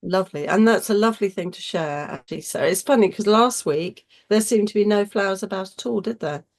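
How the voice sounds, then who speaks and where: A woman chairing an online session in a chatty, effusive way, her voice husky from a cold. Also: medium pitch, brisk. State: getting over a cold. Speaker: host chairing an online webinar. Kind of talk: informal presenter's welcome and introductions.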